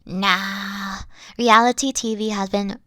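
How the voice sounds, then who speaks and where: A woman playing a haughty but secretly soft, dorky evil queen in a roleplay audio, pompous, theatrical and easily flustered. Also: mid-range voice, fairly even intonation, slow pace, no room sound. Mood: playful, imperious. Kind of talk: playful roleplay audio acting.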